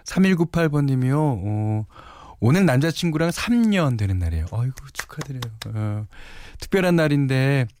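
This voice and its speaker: A man hosting a radio show, relaxed and chatty, often chuckling as he reads listener messages and narrates a story. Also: mid-range voice, normal speed, a little hiss or hum. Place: radio studio. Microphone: studio microphone.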